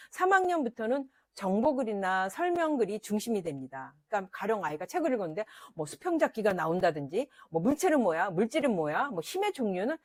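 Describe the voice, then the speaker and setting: A middle-aged literacy educator gives parents a lesson on children's reading, speaking emphatically with frequent fillers. Her voice is medium-pitched and darkish, recorded with no echo.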